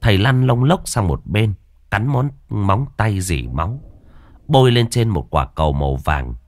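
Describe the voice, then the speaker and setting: A man tells a horror story in a deep voice, building suspense. His delivery swings widely in pitch. The sound is close and dry, with no room around it. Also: expressive, unhurried, no room sound. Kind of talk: dramatic horror story narration.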